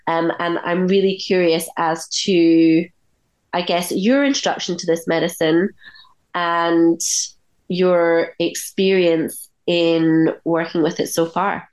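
A woman hosting a podcast interview in an effusive, appreciative way, her voice husky and hoarse with a bad cold. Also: lowish voice, steady tone, slow, darkish tone. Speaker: podcast host.

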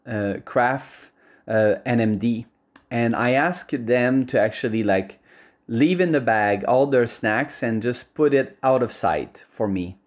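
Measured man sharing a calm testimony. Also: medium pitch. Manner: measured, thoughtful, some restarts. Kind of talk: casual home video testimony.

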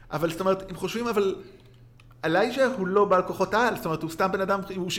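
Rambling man chatting about a film. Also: fairly high pitch. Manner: rambling, many fillers and restarts, laughs often. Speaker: podcast co-host. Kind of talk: casual film discussion.

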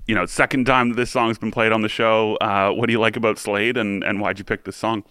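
A man's voice: on the low side, flat delivery, fairly quick, pushed and bright, smooth, dry recording, clean studio sound. A man hosting a music show, chatting in a laid-back, rambling way with lots of fillers. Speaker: radio show host. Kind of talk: casual chat about songs.

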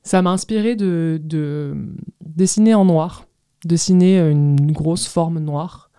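A woman's voice: deep voice, slow pace, dark tone, clean tone, dry recording, clean studio sound. A woman in her thirties answering casually as an interview guest, hesitant and often searching for words. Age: 30s. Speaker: guest artist, ceramicist.

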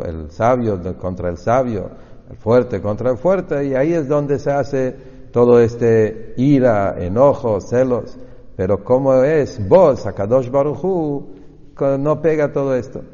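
A man's voice: mid-range voice, mellow. A man teaches a Torah lesson, asking questions and then answering them himself. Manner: explanatory, asks and answers his own questions. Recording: dull lo-fi recording in a reverberant hall.

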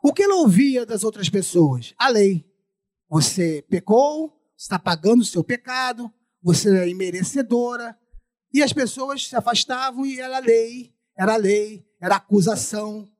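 A man's voice: sits high, animated, moderate pace. A man with a Brazilian Portuguese accent preaching a sermon through a face mask, repeating phrases for emphasis.

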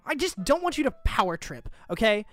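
A woman's voice: on the high side, big pitch swings, a little fast, soft background music. A woman voicing a guarded, secretive young man who talks tersely and evasively and sighs wearily.

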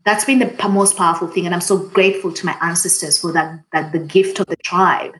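Reflective woman, measured and thoughtful. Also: fairly low pitch, slight background noise, low-quality recording. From Kenya. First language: Swahili. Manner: thoughtful, steady, with frequent pauses and restarts. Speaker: guest, diversity and inclusion practitioner. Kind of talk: reflective conversational storytelling.

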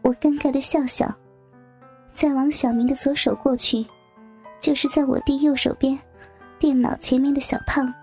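A woman narrating a first-person story softly, with music behind. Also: high voice, little pitch movement, normal speed, pauses often.

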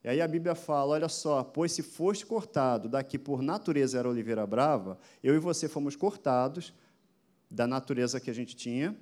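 A man's voice: mid-range voice, moderate pace, darkish tone. A man preaching a sermon as pastor, asking his listeners rhetorical questions and building emphasis. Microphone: addressing a camera for an online audience.

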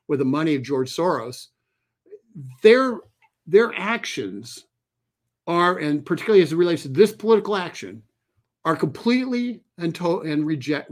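Man, solo commentary, emphatic, slightly high voice, repeats himself for weight. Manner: emphatic, repeats phrases, reads quotes aloud. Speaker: political commentator.

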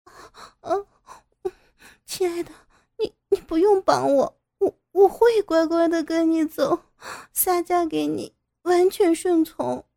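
A woman's voice: very high-pitched, very slow, vocal fry, pauses often, fairly bright tone, pitched above the performer's own voice, full character voice. A woman voicing a frightened young female teacher who is held captive, crying and stammering through her pleas. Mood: pleading, crying.

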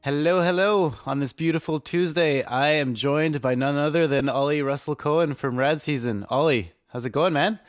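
A man's voice: on the high side, moderate pace, hardly any pauses, faint music behind. A man hosting a casual podcast interview, enthusiastic and chatty, who laughs easily. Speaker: podcast host.

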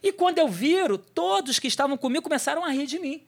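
A man's voice: very high voice, lively intonation, fast, vocal fry. A man sharing a personal testimony on a church talk show, telling the story with energy and acting out the voices of people in it.

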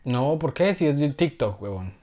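A man with a Colombian accent co-hosting a podcast, chatting casually with lots of slang and animated, joking storytelling. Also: mid-range voice, moderate pace. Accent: Colombian Spanish. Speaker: podcast co-host. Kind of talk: casual chat.

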